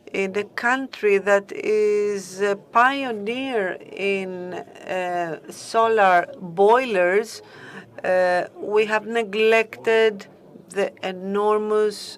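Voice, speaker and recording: A woman speaks on a conference panel at an unhurried, deliberate pace. Her delivery is halting and measured, with frequent pauses while she searches for the right word. Her pitch sits in a middle range for a woman. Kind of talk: formal conference remarks.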